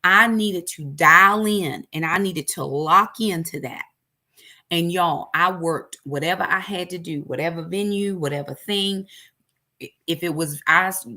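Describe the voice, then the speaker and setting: A woman's voice: lowish voice, bright, forceful tone. A woman, telling a personal faith story in an emphatic, preacherly way, full of repetition. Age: 40s. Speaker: ministry host. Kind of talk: personal testimony.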